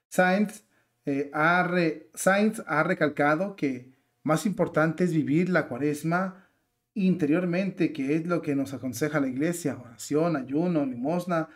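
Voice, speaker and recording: A man with a slightly bright voice on the high side gives indignant religious commentary, reading out a news report before arguing his case with pointed rhetorical questions. His manner is outraged and emphatic.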